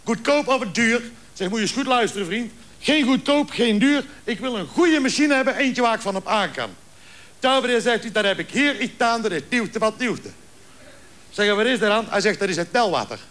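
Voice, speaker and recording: High-voiced man telling jokes. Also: a little fast. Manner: lively storyteller acting out dialogue. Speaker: joke teller. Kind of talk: stand-up joke telling.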